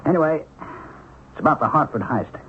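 An actor playing a courteous, quietly persistent police lieutenant in a 1970s radio drama, measured and informal. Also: male voice, on the high side, lively intonation, close to an everyday voice. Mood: probing. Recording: tinny old radio recording, faint noise.

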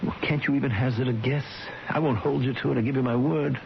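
Fretful, gravelly-voiced husband played by a man. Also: mid-range voice, steady tone, quick pace, a little hiss or hum, close to an everyday voice. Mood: desperate. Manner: pleading, fretful. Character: distraught husband, desperate and impatient. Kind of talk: 1970s radio drama acting. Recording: dull radio recording, music behind.

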